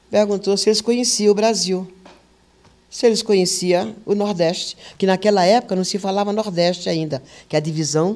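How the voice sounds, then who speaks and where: A woman speaks in a dark, mellow tone at a medium pitch, with ordinary pitch variation and a moderate pace. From Paraíba, Brazilian Northeast. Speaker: radio presenter. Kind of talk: interview.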